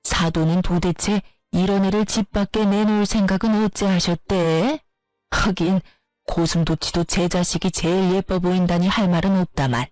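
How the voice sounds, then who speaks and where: A domineering older mother-in-law hurls contemptuous scolding in a narrated story, voiced by a woman. The voice drops a little lower and drags its words with scorn. Faint music plays behind the dry, close voice. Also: normal speed, a little mellow, dry recording, close to an everyday voice, rough recording. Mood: scornful.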